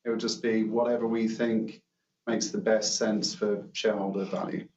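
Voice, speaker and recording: A man answering analysts as a company executive on an earnings call, in measured, careful business talk. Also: fairly low pitch, flat delivery, a little mellow, slight background noise. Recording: dull, roomy conference call, distant mic.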